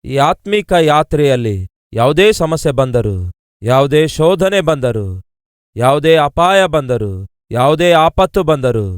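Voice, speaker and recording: A man's voice: on the high side, smooth, dry recording, clean studio sound. A male pastor delivering a devotional sermon, building emphasis through repeated parallel phrases and direct appeals to the listeners.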